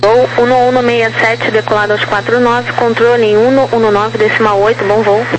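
A woman's voice: fairly high pitch, flat delivery, a little fast. Brazilian woman air traffic controller on noisy radio. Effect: aviation radio. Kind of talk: radio phraseology, procedural instructions. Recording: noisy aviation radio with hum.

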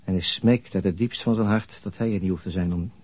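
An actor playing a weary, haunted narrator in a radio crime drama, musing slowly and introspectively. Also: male voice, low voice, steady tone, darkish tone, no room sound. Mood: somber, bitter. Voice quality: husky, breathy. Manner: slow, introspective, halting monologue. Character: brooding, weary male narrator haunted by a murder.

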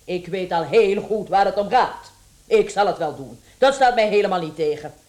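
A woman's voice: mid-range voice, expressive, normal speed, a little mellow, lightly acted. An actress playing a fearless, chatty charwoman with a sly, cheeky manner in a radio drama. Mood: servile, cheeky. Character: brash, chuckling, fearless charwoman with a sly streak.

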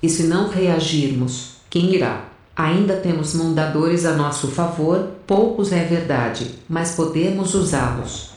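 A woman's voice: low voice, measured pace, darkish tone. A woman playing an impetuous, theatrical female soldier and first mate in an audio drama. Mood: defiant. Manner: theatrical, haughty. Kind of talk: audio drama acting and narration. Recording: roomy, distant, music underneath.

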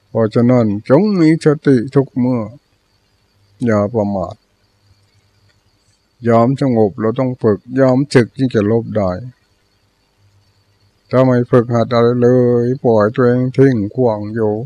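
Older Thai monk giving a calm Dharma talk. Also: male voice, mid-range voice, unhurried, long pauses. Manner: plain storytelling with repeated teaching phrases. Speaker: Buddhist monk teacher.

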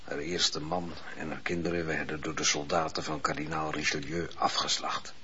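A troubled, deep-voiced judge. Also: male voice, little pitch movement, normal speed, bright, forceful tone, a little hiss or hum. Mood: confiding. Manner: earnest, defensive. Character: troubled male judge, proud man of honour. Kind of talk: radio play acting. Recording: dull old radio recording.

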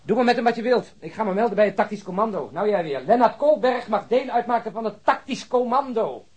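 A man playing an excitable, grumbling police detective in a radio drama, mocking and sardonic, with a husky voice. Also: high voice, a little fast. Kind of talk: Dutch radio drama acting.

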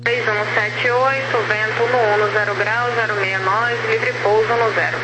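Brazilian male, high voice, air traffic control radio: formal clipped clearances over a noisy channel. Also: fairly even intonation, moderate pace. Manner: formal, reciting digits one by one. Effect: radio transmission.

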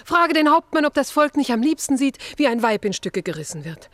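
An actress playing a proud, devout young Roman Christian woman in a radio play, earnest and high-minded. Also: big pitch swings, fairly quick. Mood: urgent, resolute. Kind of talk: classic German radio play acting.

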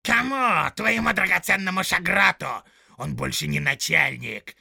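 A man's voice: fairly high pitch, moderate pace, creaky, pushed and bright, husky, dry recording, studio quality, voice pushed up, exaggerated voice. A man voicing a small, spiteful male orc tracker who whines, mocks and snarls. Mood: snarling. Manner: whining, snarling, mocking.

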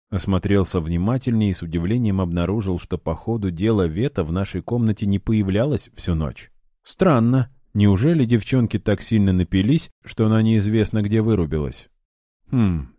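A man narrating an audiobook in the first person, with a measured, wry storytelling manner. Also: lowish voice, dark tone, dry recording, studio quality.

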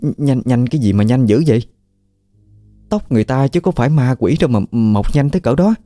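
A man's voice: mid-range voice, lively intonation, fairly quick, warm tone, no room sound, clean studio sound, soft background music, pitched above the performer's own voice, natural voice. A man voicing a frightened young woman hairdresser who stammers in panic, with a Southern Vietnamese accent. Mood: stammering.

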